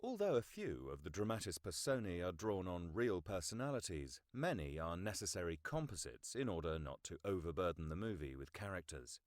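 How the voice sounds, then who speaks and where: A middle-aged man narrates nonfiction with a low-pitched voice and very varied intonation. His delivery is formal, articulate and measured. The sound is close and dry, with hardly any room in it. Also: sing-song, dry recording. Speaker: audiobook narrator. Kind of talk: scripted nonfiction audiobook narration.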